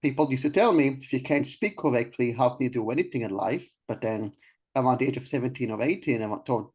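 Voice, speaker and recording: Interview guest: young man from Israel, mid-pitched, hesitant and halting, full of pauses. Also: darkish tone. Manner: hesitant, many ums and restarts. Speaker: guest, life coach. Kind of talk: casual interview talk.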